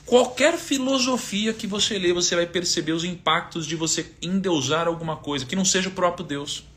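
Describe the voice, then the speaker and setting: A man in his thirties with a Brazilian Portuguese accent gives a casual, conversational live-stream teaching talk as a finance speaker with a faith-based angle. He fills it with rhetorical questions and quoted scripture verses. His voice is high, a little fast and a bit bright.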